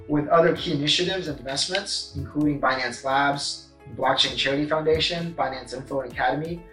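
A man's voice: fairly high pitch, fairly bright tone. A man hosting a podcast interview. He reads a polished intro, then ad-libs with many "uh"s and restarts. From United States. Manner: scripted-sounding intro, then hesitant with frequent fillers when ad-libbing. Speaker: podcast host. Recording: echoey room with faint music.

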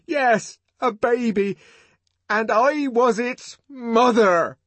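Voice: mid-range voice, big pitch swings, no echo, pitched above the performer's own voice. A reader voicing a desperate, anguished middle-aged woman from a novel, pleading in a trembling, wailing voice. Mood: tearful shame. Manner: wailing, trembling, drawn-out cries.

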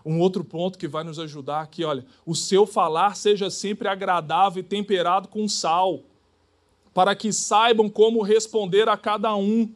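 A man preaches with a high-pitched voice and a lively, conversational delivery. He acts out little scenes as he preaches. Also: moderate pace. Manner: animated, acts out dialogues. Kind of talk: sermon.

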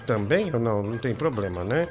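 With music behind him, a male radio host with a Brazilian Portuguese accent keeps up comic banter, mocking and teasing and repeating himself. His mid-range, darkish voice is lively in intonation and fairly quick.

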